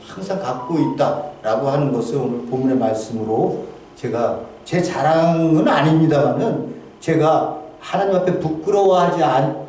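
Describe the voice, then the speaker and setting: High-voiced pastor in an echoey church. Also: male voice, warm tone, slight background noise. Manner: halting, emotional storytelling with many restarts. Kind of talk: sermon testimony. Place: church sanctuary. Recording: very echoey hall, voice from far off.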